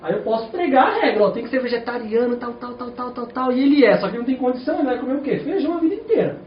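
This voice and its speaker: A man's voice: very high voice, rapid-fire, a little hiss or hum. A Brazilian man preaching a sermon in a church, talking to the congregation and asking them questions all the way through. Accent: Brazilian Portuguese. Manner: animated, rhetorical questions to the congregation. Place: church hall. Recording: echoey, distant, dull church recording.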